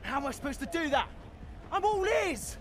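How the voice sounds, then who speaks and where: An actor playing a hotheaded young racing driver who yells and pleads in a video game cutscene. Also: male voice, extremely high pitch, very animated, normal speed, a little hiss or hum, full character voice. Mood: angry yelling. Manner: yelling, pleading, exasperated.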